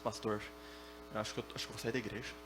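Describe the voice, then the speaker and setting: A pastor voicing a sheepish church member who mumbles hesitantly and quickly about leaving. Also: male voice, mid-range voice, fairly even intonation, a bit bright, slight background noise, voice pushed down, close to an everyday voice.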